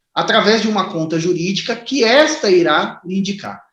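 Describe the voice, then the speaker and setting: A man at a moderate pace, with audible room echo. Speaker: accountant lecturing on law firm taxes. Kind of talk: lecture. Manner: casual, conversational.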